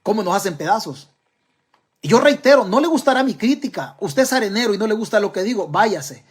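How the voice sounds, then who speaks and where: Man, Salvadoran accent, political commentary, emphatic rhetorical questions, high husky voice. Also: expressive, brisk. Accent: Salvadoran Spanish. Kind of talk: direct-to-camera political commentary.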